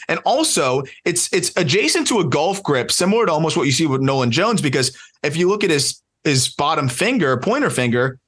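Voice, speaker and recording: A man's voice: mid-range voice, fairly bright tone. A man co-hosting a podcast, talking animatedly in casual chat, often laughing and restarting his sentences. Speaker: podcast co-host, prospect analyst.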